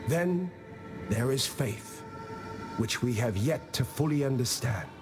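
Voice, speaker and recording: An actor playing a wise old tribal diplomat in a video game, speaking in a measured, solemn and philosophical way, calm and patient with a gently stern edge. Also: male voice, mid-range voice. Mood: measured, teaching. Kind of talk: scripted video game character monologue. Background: music.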